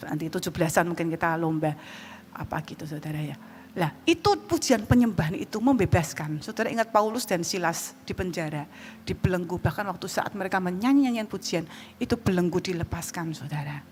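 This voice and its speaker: A woman evangelist with a Javanese accent preaching a sermon in a church hall, lively and joking, often calling out to the congregation. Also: lowish voice, brisk. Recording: reverberant church hall, faint background noise.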